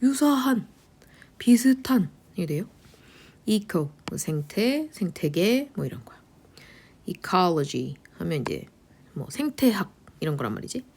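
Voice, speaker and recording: Woman, English teacher, vocabulary lecture, animated pitch, rhetorical questions, occasional whispers. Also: husky. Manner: explains words with quick rhetorical questions, drops into whispers.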